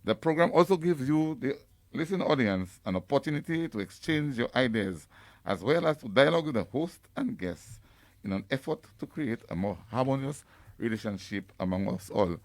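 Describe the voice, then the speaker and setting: A man hosts a live political radio program, speaking at a middle pitch. His delivery is formal and announcer-like, with small restarts. The studio sound is dry and close. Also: lively intonation, moderate pace, a little mellow, no room sound. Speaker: radio talk show host. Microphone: studio microphone.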